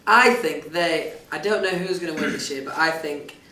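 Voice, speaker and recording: Bright-voiced eager young man, roomy. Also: a little high, moderate pace, far from the mic. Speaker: band member. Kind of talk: casual interview chat. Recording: roomy, off-mic.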